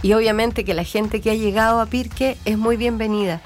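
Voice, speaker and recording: A woman speaks as a folklorist guest on a talk show. She talks thoughtfully and clears her throat now and then. Faint music sits behind her voice. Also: fairly high pitch, steady tone, brisk. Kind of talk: casual interview talk.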